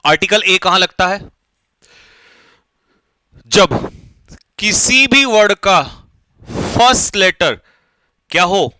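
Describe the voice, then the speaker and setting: Brisk, high-voiced man teaching. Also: animated, pushed and bright, dry recording. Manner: urging students to hurry, asks and answers his own questions. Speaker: English teacher. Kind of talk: online exam-prep lesson.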